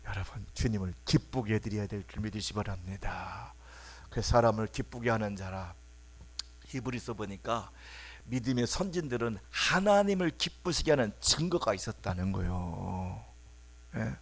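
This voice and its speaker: A man's voice: lowish voice, expressive, normal speed. A man preaching a Sunday sermon as pastor, emphatic and prompting the congregation to answer back. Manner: emphatic, calls for congregation responses, acts out quoted voices. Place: church sanctuary.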